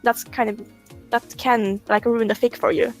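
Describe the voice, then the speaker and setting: A woman's voice: a little high, level tone, normal speed, soft background music. A woman guest on a podcast, chatting casually in a rambling, conversational way and telling anecdotes. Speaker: podcast guest, fanfiction writer.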